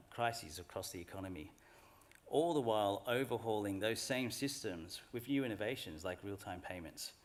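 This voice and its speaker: A middle-aged man giving a formal graduation address from a lectern microphone in a large hall, in a measured and earnest way. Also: fairly low pitch. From Australia. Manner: measured, earnest, reflective speech delivery. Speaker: graduation speaker.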